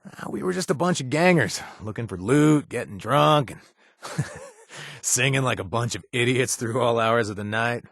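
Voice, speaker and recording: An actor playing a remorseful former gang member and recovering addict who now runs a bar, talking casually with wry asides and trailing hesitations, recorded in a dry booth. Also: male voice, mid-range voice, animated, moderate pace, a bit bright, dry recording. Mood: easygoing. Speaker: companion character. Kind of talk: video game voice acting.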